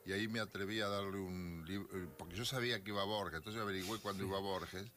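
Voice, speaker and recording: Older male radio host, Rioplatense accent, teasing and animated, bright voice. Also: low-pitched, fast, a little hiss or hum. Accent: Rioplatense Spanish. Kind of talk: casual radio chat.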